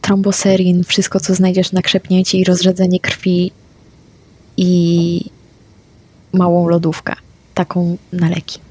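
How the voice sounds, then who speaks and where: A woman playing a tabletop vampire game, declaring her character's actions in a quick, plain manner. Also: fairly low pitch, monotone, darkish tone, slightly rough. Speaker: player.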